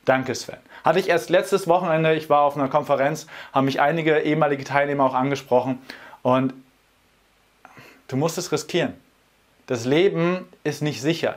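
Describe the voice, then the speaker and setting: A man who runs men's workshops, talking straight to camera in an energetic, persuasive, colloquial way. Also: fairly high pitch. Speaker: workshop organizer. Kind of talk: direct-to-camera promotional talk.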